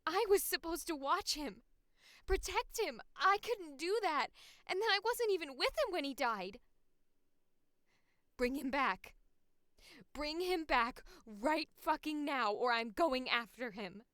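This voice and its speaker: A woman's voice: medium pitch, takes it slowly, pauses often, no room sound, clean studio sound, close to an everyday voice. A woman voicing a tough, hot-headed, fiercely loyal action character in a punchy, dramatic audition read. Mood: anguished, defiant. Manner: punchy, forceful delivery.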